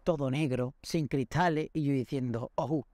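A man's voice: mid-range voice, moderate pace, no echo, clean studio sound. A young man, hosting a podcast and telling comic anecdotes, acting out the voices of the people in them. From Spain. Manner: animated, acts out the voices in his anecdotes. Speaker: podcast host. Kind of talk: comic storytelling monologue.

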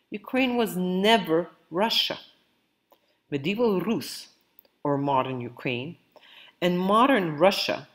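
A woman in her fifties from Canada, reading an earnest personal narration for her video channel. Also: deep voice. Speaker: vlogger. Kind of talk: read-aloud personal narration.

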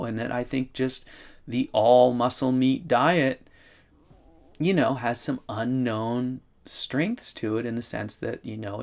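A man's voice: mid-range voice, vocal fry. A man in his forties talking casually to the camera from a wooden room, rambling and thinking aloud with many asides. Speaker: vlogger. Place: wooden room by a large window.

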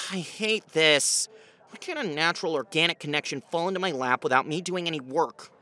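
A woman's voice: deep voice, moderate pace, sharp tone. A woman voicing an anxious, self-deprecating writer and hopeless romantic in a comic dub, with a dramatic, self-pitying manner. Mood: defensive, despondent. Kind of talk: comic dub voice acting with inner monologue. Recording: music bed under the voice.

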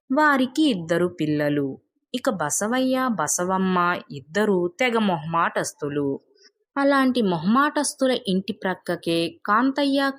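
A woman storyteller reading a scripted moral tale as narrator. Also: lowish voice.

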